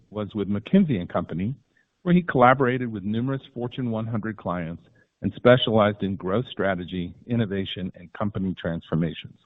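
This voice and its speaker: A man's fairly low voice comes through a narrow, tinny phone line. He reads a scripted business presentation in a formal way, as a chief executive does on an earnings call. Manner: formal, reading prepared remarks.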